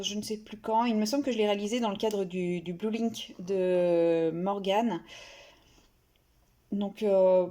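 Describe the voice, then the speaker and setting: A woman's voice: medium pitch, dark tone. A woman vlogger casually showing her finished coloring pages, hesitant, with many fillers and restarts. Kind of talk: casual show-and-tell.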